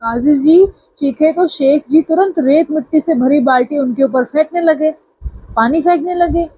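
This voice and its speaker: Brief: female storyteller for an audio story library; even narration, dry close sound. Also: high voice, normal speed, dry recording.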